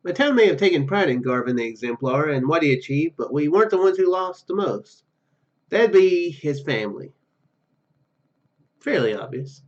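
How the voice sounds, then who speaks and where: A man doing a let's play, reading story text aloud haltingly and dropping in casual asides. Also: fairly high pitch, very animated, lo-fi sound. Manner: halting, stumbles over read words. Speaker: gaming YouTuber.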